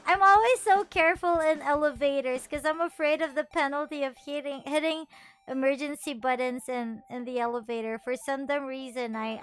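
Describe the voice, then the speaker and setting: High-voiced, bubbly woman streamer. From Philippines. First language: Filipino. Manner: animated, playful and self-mocking, laughs often. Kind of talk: casual chat stream.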